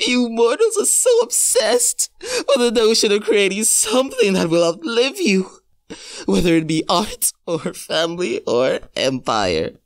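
Haughty deathless being, played by a man, grandiose and scornful, unhurried delivery, dry studio sound. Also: high-pitched, wildly swooping pitch, gravelly, dry recording, exaggerated voice. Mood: mocking, grand. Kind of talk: character demo reel acting.

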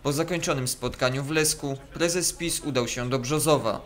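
A man reading a scripted news report with an even, formal delivery. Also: medium pitch, normal speed. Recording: voice-over with music beneath.

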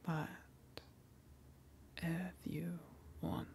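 A woman playing a gentle, coaxing eldritch tentacle monster in an ASMR roleplay, speaking hesitantly and considerately with long pauses. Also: fairly low pitch, flat delivery, vocal fry, a little hiss or hum, exaggerated voice.

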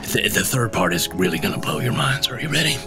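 A man playing an earnest investigator in a fantasy role-play game, explaining in a deliberate, halting way. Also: mid-range voice, expressive, creaky, over music. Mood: earnest, portentous. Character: earnest deep-voiced male investigator in fantasy party. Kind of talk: in-character tabletop role-play.

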